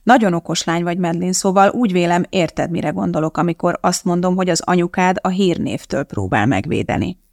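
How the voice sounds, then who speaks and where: A smooth-talking middle-aged male TV producer, as an audiobook narrator puts him on, polite and placating. The gravelly voice sits in a dry, close storybook recording. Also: mid-range voice, hardly any pauses, a little mellow, no echo, lightly acted.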